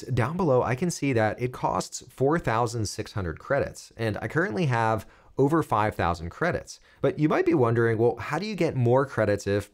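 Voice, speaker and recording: An American man in his thirties giving clear, step-by-step instructional narration for a software tutorial. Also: fairly low pitch. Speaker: tutorial presenter.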